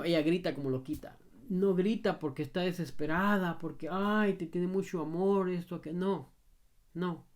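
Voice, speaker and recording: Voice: medium pitch, darkish tone. Dog trainer talking right at you, blunt, repeats stuff, keeps saying ok?. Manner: emphatic and repetitive, often asks "ok?"; talks straight to the viewer in familiar second person. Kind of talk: casual advice video answering a viewer.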